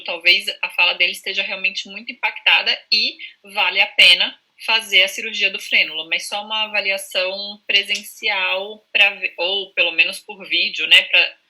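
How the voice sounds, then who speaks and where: A Brazilian woman speaks with a strikingly bright, forceful tone, her pitch sitting in an ordinary middle range. As a speech therapist she explains patiently and pronounces sample sounds aloud to show them. She talks over a video call. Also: rough recording. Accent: Brazilian Portuguese. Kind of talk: explanatory interview answers.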